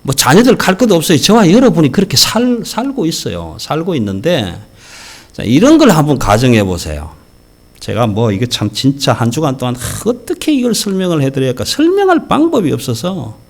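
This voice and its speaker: Male pastor, middle-aged, gravelly voice, very animated delivery; acts out quoted characters mid-sermon. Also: a little high, a little fast. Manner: lively storytelling, acting out quoted parents and children. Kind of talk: Easter sermon.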